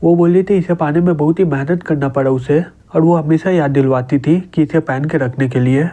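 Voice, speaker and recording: A man's voice: fairly high pitch, brisk, warm tone, lo-fi sound, close to an everyday voice. A man reading the lines of an anxious young woman from a comic, in his own plain voice. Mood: worried. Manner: plain read-out dialogue in the narrator's own voice.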